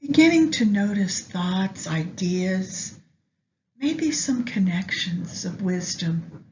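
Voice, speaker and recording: A woman leading a guided meditation with astrology, speaking gently and in measured short phrases with long pauses. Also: medium pitch, expressive. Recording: dull lo-fi sound, faint background noise.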